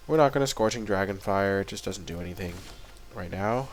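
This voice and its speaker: Congested low-voiced guy with a cold, chill wry gameplay commentary, faint hiss behind him. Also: brisk. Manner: relaxed, thinking aloud, mildly wry. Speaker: gaming video host. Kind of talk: casual live commentary while playing.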